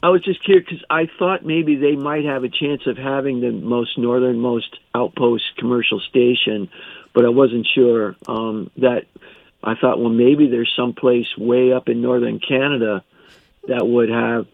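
A man's voice: medium pitch, fairly even intonation, unhurried, creaky, dry recording. A man who grew up in Norway, calling in and asking curious, hesitant questions in casual chat. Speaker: caller. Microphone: phone. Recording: tinny phone line.

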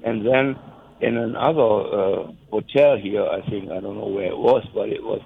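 A man's voice: on the low side, creaky. German-accented man on a phone line. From Germany, near the Dutch and Belgian border. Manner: halting, many fillers and restarts, laughs often. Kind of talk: casual chat.

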